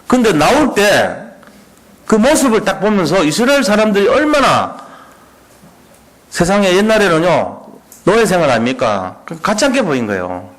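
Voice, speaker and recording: A man's voice: sits high, normal speed. A male pastor preaching a Sunday sermon, acting out the words of the people in the story. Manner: animated preaching, acting out God's and Moses' words.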